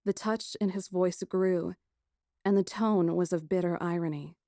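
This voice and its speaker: A woman reads fiction as an audiobook narrator. Her voice sits a little low, with expressive, dramatic first-person storytelling. The recording is dry and close. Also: measured pace, dry recording.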